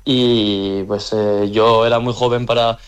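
A young handball player from the Country, answering interview questions casually, with lots of hesitant fillers. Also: male voice, on the low side, little pitch movement, takes it slowly, clean tone. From French Basque Country.

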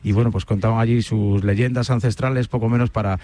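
A man from Spain hosting a relaxed radio interview, chatty and rambling with many fillers. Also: lowish voice, a little fast, no echo. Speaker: host.

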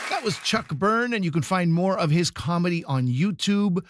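A man's voice: high-pitched, expressive, normal speed, no room sound, some chatter behind. A man hosting a comedy show, introducing the comedians and announcing upcoming live recordings in a scripted way. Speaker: radio comedy show host. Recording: voice over background music.

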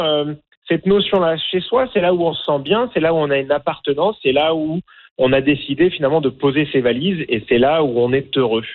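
A middle-aged man from France with a French accent, a documentary filmmaker talking in a radio interview, hesitant with many fillers and restarts. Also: on the high side. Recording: tinny phone line.

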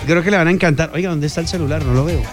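A man's voice: fairly high pitch, racing, faint music behind. A man hosting a casual morning radio show, reading out listener messages in an upbeat way. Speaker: radio host.

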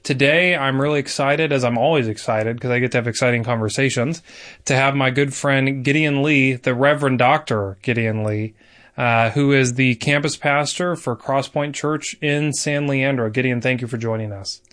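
A man's voice: medium pitch, steady tone, normal speed, a bit bright. A man hosting a theology podcast, introducing his guest in an upbeat, joking way. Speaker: podcast host. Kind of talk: casual podcast interview.

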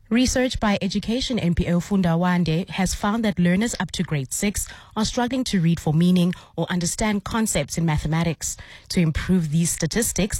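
A man reading a radio news bulletin in a measured, formal way. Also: fairly high pitch, a little mellow, no room sound. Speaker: newsreader.

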